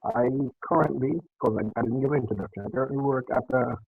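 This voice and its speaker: A man's voice: mid-range voice, quick pace, creaky, no room sound. Caribbean man on a tinny, muffled call. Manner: long, detailed self-introduction with hesitant fillers. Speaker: audience member asking a question. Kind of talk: casual question on a video call. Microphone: video call.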